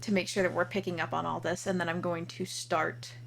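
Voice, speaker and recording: A woman giving a casual live software walkthrough, recorded with clear noise and hum behind her. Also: on the low side, little pitch movement, fairly quick. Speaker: demonstrator of voice changer software. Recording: clearly noisy, humming home recording.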